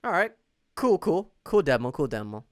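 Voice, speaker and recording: A man's voice: fairly high pitch, sing-song, moderate pace, soft background music. A young man with a sick throat gives casual, slangy gaming reaction commentary in a laid-back way. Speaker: reaction video host.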